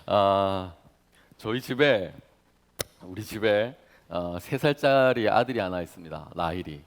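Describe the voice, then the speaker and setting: A man in his thirties, a pastor preaching to young adults, dramatic in delivery, acting out prayers and swinging from hushed to loud. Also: low voice, lively intonation, measured pace. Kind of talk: sermon.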